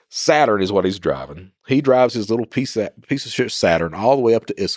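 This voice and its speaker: A man with an Appalachian accent talks at a medium pitch and a moderate pace. His pitch swings very widely. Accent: Appalachian Kentucky. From US South, Eastern Kentucky. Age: 50s. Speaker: former cybercriminal. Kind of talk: interview, storytelling. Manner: animated.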